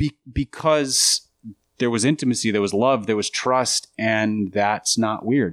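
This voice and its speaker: A man with an American accent and an ordinary speaking voice at a medium pitch, at a fairly slow pace with ordinary pitch variation and very even loudness, in a very clean recording with a silent background and a dry, close sound with no echo. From US Upper Midwest, Minnesota. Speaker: pastor and author. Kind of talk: casual interview chat. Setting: indoors by a fireplace, recorded at camp.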